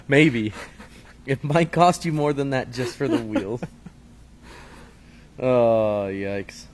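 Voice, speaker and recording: A man's voice: mid-range voice, a little hiss or hum. Easygoing man co-hosting a chat. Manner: easygoing, joking, quick asides. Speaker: co-host reading viewer questions. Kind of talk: casual chat.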